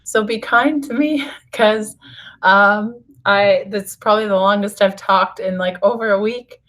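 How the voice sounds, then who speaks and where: A woman with a raspy, slightly hoarse voice recovering from losing it, chatting informally and directly to viewers as host of a casual livestream. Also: medium pitch, unhurried, a bit bright, poor audio. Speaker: nutrition author hosting a livestream. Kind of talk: casual live vlog chat to viewers. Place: hotel room.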